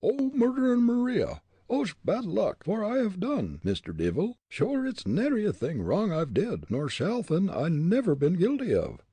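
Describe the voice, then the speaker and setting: A man voicing a boastful, quick-tempered, superstitious Irish tramp with an Irish accent, full of indignant exclamations in a storybook reading. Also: fairly high pitch, huge pitch swings, mellow, husky, no room sound, voice pushed up, exaggerated voice. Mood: terrified pleading.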